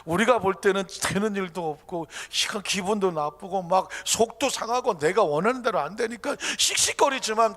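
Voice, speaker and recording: Brief: male preacher, high voice, emphatic rhetorical questions, long church reverb. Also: bright, forceful tone. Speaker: pastor. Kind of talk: sermon. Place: church sanctuary.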